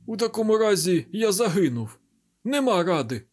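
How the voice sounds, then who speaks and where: A man voicing a frantic wealthy baron who has just been robbed, in a high, wailing, desperate voice. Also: big pitch swings, normal speed, a little mellow, husky, exaggerated voice. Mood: pleading. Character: frantic wealthy old male baron collector.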